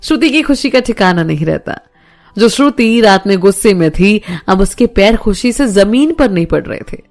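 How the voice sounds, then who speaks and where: A woman narrating a romance audio story in a steady storytelling manner. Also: mid-range voice, moderate pace, soft background music.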